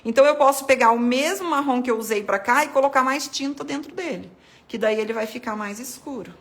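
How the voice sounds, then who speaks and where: A woman's voice: high voice, a little fast. A woman giving a casual, chatty watercolor painting tutorial, talking viewers through each step as she paints. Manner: chatty, addresses viewers as "gente", points things out while painting. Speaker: art devotional host.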